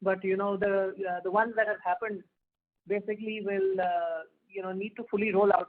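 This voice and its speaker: A woman with an Indian accent answering questions as a company executive on an earnings call, in a halting, conversational way. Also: mid-range voice. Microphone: telephone. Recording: muffled narrow phone conference line.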